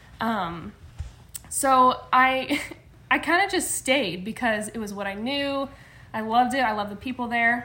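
A woman with an American accent, high pitch and lively intonation, at a fairly slow pace with long, frequent pauses over noticeable background noise. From central Illinois. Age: 20s. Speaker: web designer. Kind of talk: casual chat. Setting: cabin by a fire, in person.

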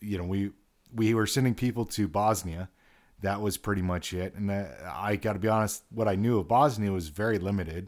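A man with an American accent talks at a fairly quick pace in an unremarkable speaking voice, his fairly low pitch and fairly even intonation captured on a very clean recording with a silent background. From US West (California, Utah). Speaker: retired special forces soldier. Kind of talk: casual chat.

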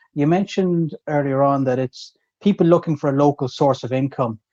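A man's dark, mellow voice with an Irish accent, dry and close with no echo, over a quiet background. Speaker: podcast co-host. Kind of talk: casual chat.

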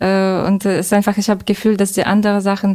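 Her medium-pitched voice moves at a fairly quick pace, with monotone, flat intonation throughout. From Russia, St. Petersburg. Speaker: nature enthusiast. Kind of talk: interview. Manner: halting.

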